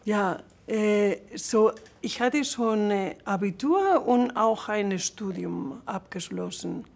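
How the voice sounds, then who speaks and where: A woman in her forties from Spain speaks German with a Spanish accent, slowly and unhurriedly. She hesitates often, fills pauses and laughs easily, in a relaxed interview. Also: medium pitch, gravelly. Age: 40s. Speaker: interview guest. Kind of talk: casual interview, non-native German.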